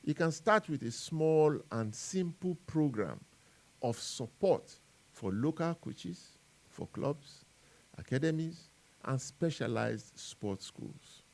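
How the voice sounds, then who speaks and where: A man with a Nigerian accent reads a scripted sports editorial as a radio columnist, phrasing it deliberately and emphatically with dramatic pauses. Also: a little high, expressive.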